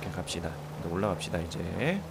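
Fast-talking male game streamer. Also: deep voice, lively intonation, gravelly, heavy background noise. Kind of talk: casual gameplay commentary. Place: indoors at home.

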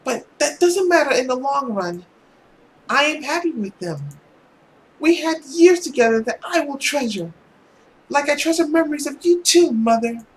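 A devoted young usher from a visual novel speaks in a high, earnest voice, put on by the player. The words come tenderly, over a slightly noisy background. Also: animated, normal speed.

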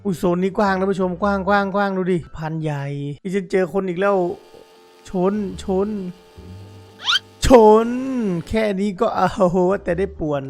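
A man giving excited game commentary to his viewers, exclaiming and laughing often. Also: high voice, fast talker, few pauses, slight background noise. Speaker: gaming YouTuber.

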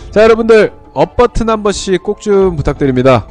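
A young man chats his way through a live game stream, talking straight to his viewers as he bargains and counts in-game money. His voice sits a little high and swings up and down freely. Faint music plays under his talk. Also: expressive, fairly quick, a little mellow. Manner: chatty, talks to viewers while trading. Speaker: streamer playing an online game.

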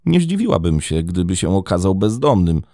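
A man's voice: low voice, sing-song, moderate pace, warm tone, no room sound, clean studio sound. A man voicing a blunt, suspicious young woman of twenty-four who accuses and urges in a crime story reading. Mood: accusing. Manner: accusing, urgent.

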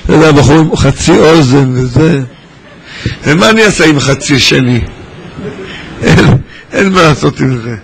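A man's voice: fairly high pitch, expressive, gravelly, long pauses, husky, low-quality recording. A man mentoring students at a Hasidic gathering, teasing and joking as he calls out to people in the crowd. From Israel. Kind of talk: lively gathering talk to students. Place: large synagogue hall at a gathering.

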